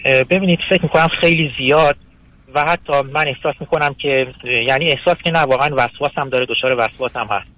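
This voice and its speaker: Hesitant bright-voiced male caller. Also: fairly high pitch, no room sound, rough recording. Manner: hesitant, many pauses and fillers. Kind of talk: phone-in consultation.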